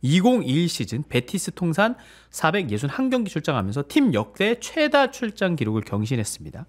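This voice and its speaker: A man hosting a football talk show, his voice rising and falling a lot as he reads through players' careers. His voice sits a little high, and his tone stays conversational. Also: huge pitch swings, fairly quick. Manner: brings in each segment, half reading from notes. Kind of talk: reading segment notes, casual chat. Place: studio.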